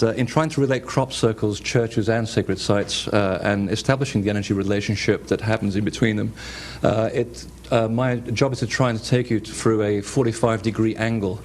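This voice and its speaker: Lecturer, male, Portuguese accent, fairly low voice, halting delivery full of ums, faint room hiss. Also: a little mellow. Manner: hesitant, many fillers and restarts. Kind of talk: conference lecture with slides.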